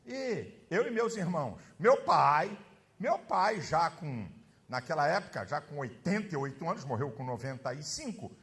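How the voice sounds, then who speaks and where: Brief: male pastor, a fiery sermon with a lively swinging delivery, emphatic and frequently shouting. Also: on the high side, normal speed.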